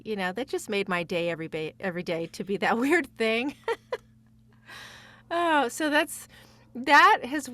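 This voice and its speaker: A woman guest voice actress telling stories casually, in a chatty, giggly, rambling and animated way. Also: medium pitch.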